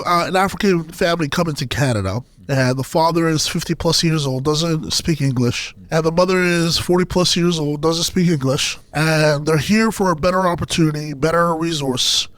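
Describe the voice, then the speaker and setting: Podcast guest, male, from Sudan. Fairly high pitch, hesitant personal storytelling, close dry sound. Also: dry recording.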